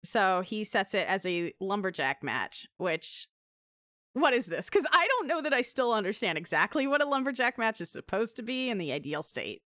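A woman's voice: mid-range voice, sing-song, normal speed, sharp tone, no echo, clean studio sound. A woman casually chatting as a podcast host, animatedly recounting a story and laughing often. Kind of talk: casual chat, recounting a wrestling segment.

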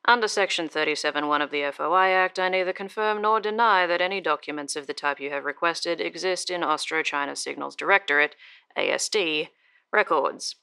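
A woman's voice: sits low, fairly quick, creaky, pushed and bright, smooth, exaggerated voice. A woman playing a formal, unyielding government records officer reading out official correspondence in an audio drama. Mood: officious.

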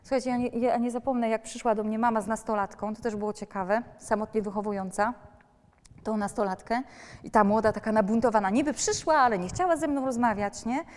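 A woman with a fairly high voice gives a talk to an audience of parents in the manner of a counselor. She turns straight to her listeners, often checking in with quick tag questions. Her voice rings out with a long reverb from the hall. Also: darkish tone. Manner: addresses listeners directly, frequent tag questions.

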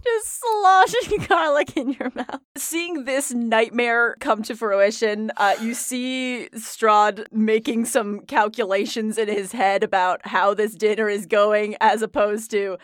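A woman running a tabletop game, narrating scenes casually and descriptively. Her voice sits at a middle pitch. The recording is dry and close. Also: fairly even intonation, slow, hardly any pauses, no echo. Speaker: game master.

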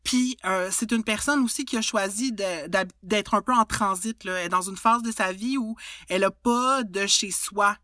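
A woman's voice: mid-range voice, normal speed, bright, forceful tone, dry recording, clean studio sound. A woman with a Quebec French accent co-hosting a podcast, talking thoughtfully with many hesitations and restarts. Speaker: podcast co-host. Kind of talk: reflective casual chat.

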